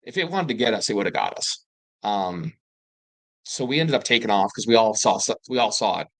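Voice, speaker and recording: A man telling his own eerie wilderness encounters in a casual, rambling way, with fillers and restarts and excited bursts when he quotes himself. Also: on the low side, a little fast, no echo, rough recording. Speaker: panel guest telling paranormal encounters. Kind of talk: casual storytelling.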